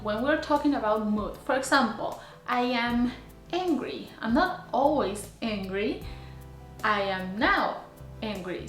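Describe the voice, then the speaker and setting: A slightly high-voiced woman in her thirties gives a lesson to camera, slowing down for each example phrase. She speaks clearly and deliberately. The small room sounds echoey, with faint music underneath. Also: fairly bright tone. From Argentina. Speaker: Spanish teacher. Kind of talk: scripted language lesson to camera. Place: small indoor room before a plain grey wall. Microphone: camera framed head and shoulders.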